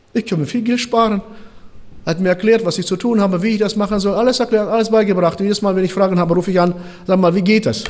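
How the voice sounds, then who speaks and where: Noticeable background noise sits behind a man speaking at a very fast pace. His pitch is high and his intonation fairly even. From Kazakhstan, Russian-German community. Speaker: preacher. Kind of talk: sermon.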